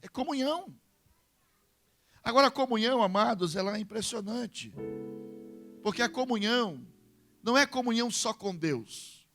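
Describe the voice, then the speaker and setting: A man's voice: extremely high pitch, normal speed, long pauses. A man with a Brazilian Portuguese accent preaching a sermon at a church service. He acts out little dialogues among church members and often tags his sentences with a questioning "hã?". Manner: animated preaching, acting out congregation dialogue. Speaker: pastor. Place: church service with live music. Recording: church sermon over guitar music.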